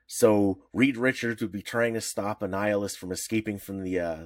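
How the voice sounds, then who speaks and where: A man's voice: lowish voice, fairly even intonation, normal speed, no echo. Man explaining at length, dry sound. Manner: explains at length with restarts and laughs. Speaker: podcast co-host. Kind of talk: casual chat.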